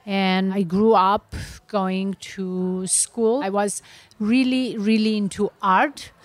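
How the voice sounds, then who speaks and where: A woman's voice: medium pitch, steady tone, no echo. Romanian-accented woman telling her story. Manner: earnest, halting, many restarts. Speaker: guest, beauty entrepreneur. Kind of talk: interview storytelling.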